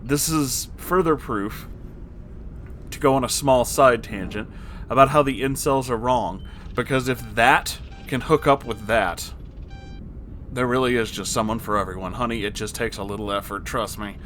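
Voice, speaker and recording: A man reading a story aloud as host and reacting to it, with an expressive, exasperated and sarcastic manner. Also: mid-range voice, normal speed, a little hiss or hum. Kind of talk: story narration with reaction commentary.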